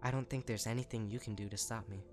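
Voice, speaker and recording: A man's voice: lowish voice, steady tone, fast talker, over music, lightly acted. Man voicing a gleefully unhinged female unicorn pony. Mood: smugly menacing. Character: deranged female unicorn pony, eager, lonely, power-hungry letter writer.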